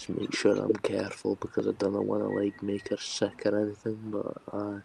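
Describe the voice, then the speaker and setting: A man speaks at a moderate pace with a strong Scottish accent. Noticeable background noise runs behind him. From Scotland. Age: young. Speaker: live stream guest. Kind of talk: casual chat.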